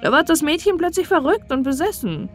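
A woman's voice: high-pitched, sing-song, brisk. A woman reading a scripted fairy tale as an audiobook narrator, in bedtime storybook style. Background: music behind the voice.

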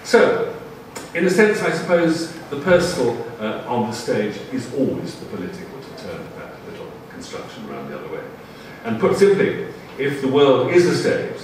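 A man giving a measured, formally phrased panel talk in a lecture room before an audience. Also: on the low side. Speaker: panel speaker. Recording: echoey room, far mic, audible noise.

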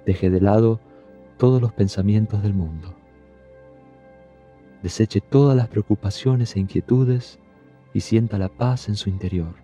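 A man leading a guided meditation, giving calm, soothing, unhurried instructions. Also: fairly low pitch, highs cut off, soft background music.

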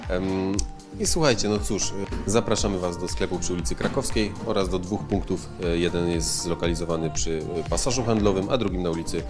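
A man in his thirties presenting an on-location report, speaking haltingly with frequent hesitations into a handheld microphone. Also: low-pitched, music in the background. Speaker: reporter and host. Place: tiled bakery production room.

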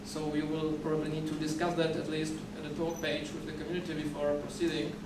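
A man's voice: fairly high pitch, completely flat delivery, fast talker. A young man giving a conference talk at a podium, often repeating words and restarting as he explains. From Czech Republic. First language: Czech. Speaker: conference speaker. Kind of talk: conference presentation. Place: dim lecture hall, at a podium. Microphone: podium mic, recorded from a far camera. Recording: echoey hall recorded from far off, noisy.

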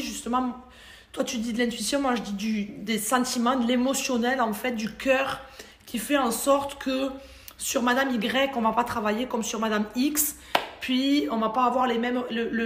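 A fairly high-voiced woman from France talks shop as a hairdresser in a relaxed interview. She speaks in a chatty, animated way and laughs easily, and her voice rings in a roomy, echoey space. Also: moderate pace. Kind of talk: casual interview conversation.

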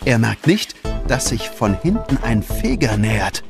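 A man's voice: mid-range voice, lively intonation, measured pace. A man narrating a children's audio story in a dramatic, scripted storytelling style. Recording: loud background music.

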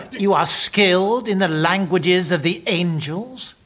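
A man's voice: sits high, slow, a bit bright, heavily acted. A sceptical archbishop of a royal court in an audio drama. He speaks formally and probes with pointed, doubting questions.

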